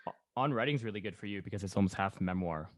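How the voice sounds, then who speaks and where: A man hosts a casual conversation at a quick pace. His voice sits a little low and is recorded dry, with no room around it. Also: no echo. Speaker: podcast host. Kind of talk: casual chat.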